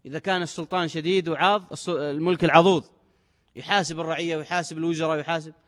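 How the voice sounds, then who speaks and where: A man's voice: on the high side, fairly even intonation, racing, a bit bright. A man giving a religious lesson, reading old texts with raised emphasis and explaining them in dialect. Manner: reads quotes in formal Arabic with raised emphasis, then explains in dialect. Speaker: religious teacher. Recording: long hall reverb.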